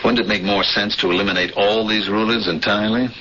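A man's voice: fairly low pitch, steady tone, fast, slight background noise. A man acting in a 1970s radio drama as a brash, questioning prisoner who tells his own story in blunt, colloquial words. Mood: probing. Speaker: actor playing narrator and protagonist. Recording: dull vintage radio broadcast, loud music.

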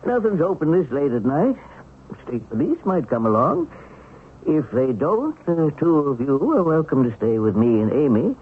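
An actor with an American accent playing a wily, folksy seventy-six-year-old heist mastermind in a radio drama, coaxing and confiding. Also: male voice, a little high, very animated, moderate pace, breathy edge. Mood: folksy welcome. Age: older. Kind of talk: 1970s radio drama acting. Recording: muffled phone-like old radio broadcast.

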